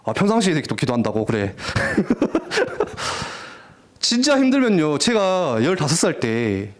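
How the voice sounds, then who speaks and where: A young adult man preaching to teenagers as youth pastor, telling stories in an animated way and acting out teens' voices. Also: a little high, normal speed. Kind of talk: lively youth sermon.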